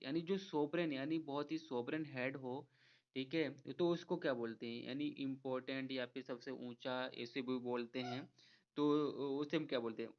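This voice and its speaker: A man teaching an exam-prep vocabulary lesson, explaining each word slowly, repeating himself and asking viewers to guess. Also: medium pitch, clean tone. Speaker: English teacher. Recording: slightly dull lo-fi audio.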